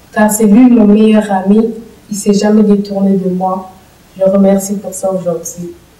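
In a room with audible echo, a woman talks at a fairly slow pace with monotone, flat intonation. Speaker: church member being baptized. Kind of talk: testimony. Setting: church. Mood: earnest, grateful. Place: home room. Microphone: camera far.

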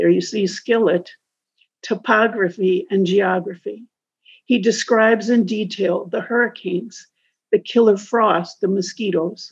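A woman's unremarkable speaking voice, medium in pitch, with an American accent, a fairly slow pace and fairly even intonation. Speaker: historical society founder and book discussion moderator. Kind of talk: moderated book discussion. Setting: video call. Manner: formal.

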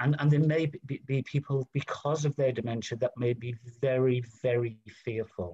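A man with a Welsh accent, a moderate pace and ordinary pitch variation, over a quiet background. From Wales. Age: 50s. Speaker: leadership consultant and trainer; trainer. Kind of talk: casual chat. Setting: video call. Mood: calm, thoughtful. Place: home room. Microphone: video call.

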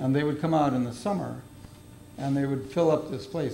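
Fairly high-pitched male speech with an Upper Midwest accent over light background noise. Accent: Upper Midwest American. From US Midwest. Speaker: former resident telling local history. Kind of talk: reminiscence speech to audience. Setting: reunion gathering with microphone and audience. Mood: warm, nostalgic. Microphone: podium.

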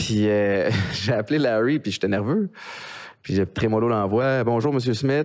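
Against a quiet background, a man with a Quebec accent speaks at a fairly slow pace and medium pitch, with ordinary pitch variation, very even loudness, and long, frequent pauses. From Quebec, Montréal-Nord; Quebec, Canada. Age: 30s. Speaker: entrepreneur and former football player; podcast guest. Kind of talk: casual interview chat. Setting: studio. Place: studio. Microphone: studio mic.

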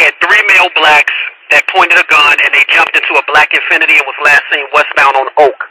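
Speaking at a very fast pace, a man is heard in a dry sound with no echo over noticeable background noise. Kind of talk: radio dispatch. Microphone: two way radio.

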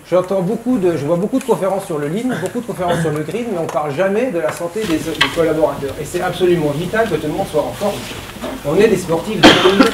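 Loud background noise surrounds a man talking. He goes at a very fast pace with hardly any pauses. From eastern France. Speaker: company CEO. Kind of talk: conference talk. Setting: stage with audience. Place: hall.

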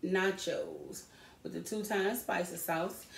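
A woman is speaking. The room echo is audible. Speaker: food vlogger. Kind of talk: casual vlog chat. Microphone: camera far.

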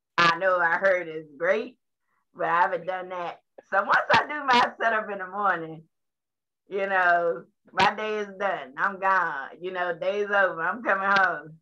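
Speaking at a fairly slow pace, a woman with an American accent holds a medium pitch with ordinary variation over light background noise. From Washington DC, Southside; Washington DC. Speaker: small business owner; podcast guest. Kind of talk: casual interview chat. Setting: podcast recording. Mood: upbeat, animated. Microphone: webcam.

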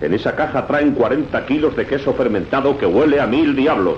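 A man talks in a stern tone with lively intonation. Light background noise is audible. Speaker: voice actor. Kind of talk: radio drama acting. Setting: 1980s radio drama recording. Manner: stern, authoritative, interrogating. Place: studio. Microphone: old recording.

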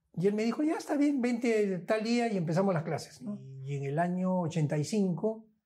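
With a Lima accent and a dark, mellow tone, a man speaks at a fairly slow pace with lively intonation against a quiet background. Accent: Peruvian Lima Spanish. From Lima, Peru. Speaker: film director. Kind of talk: casual interview. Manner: halting, repeats words. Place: studio. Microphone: lapel.

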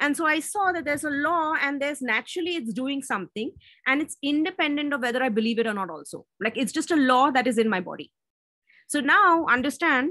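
In a raised, projected voice with a bright, sharp tone, a woman speaks at a moderate pace. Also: quiet background. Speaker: ministry teacher. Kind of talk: sermon. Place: open country. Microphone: phone near.

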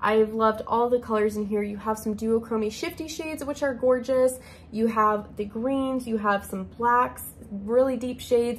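Light background noise sits behind a woman talking at a moderate pace with a fairly high pitch. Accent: American. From US Midwest. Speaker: beauty YouTuber; beauty vlogger. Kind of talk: casual review monologue. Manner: animated. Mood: upbeat, enthusiastic. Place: home room.

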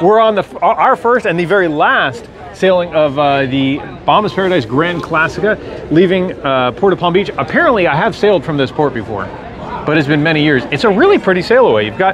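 Crowd noise fills the background. A man speaks over it at a fairly quick pace. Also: dry sound with no echo. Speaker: travel vlogger. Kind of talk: casual vlog chat. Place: boat. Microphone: phone near.

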